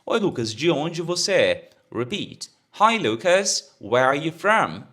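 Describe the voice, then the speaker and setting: A Brazilian man with a Brazilian Portuguese accent who teaches English, repeating phrases slowly for learners to copy. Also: a little high, very animated, fairly bright tone. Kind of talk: explaining an English lesson.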